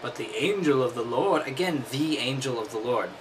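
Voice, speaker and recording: A man's voice: mid-range voice, expressive, moderate pace, background noise. A man reading aloud and breaking off into wry, mocking commentary. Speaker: host.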